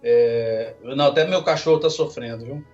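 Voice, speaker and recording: A man co-hosting a casual podcast, chatting with quick, jokey asides. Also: mid-range voice, darkish tone, dull audio, faint music behind. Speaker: podcast co-host.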